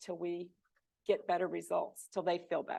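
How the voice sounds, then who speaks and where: Fairly slow speech with vocal fry comes over a quiet background. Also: woman. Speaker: therapy trainer. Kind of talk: training workshop.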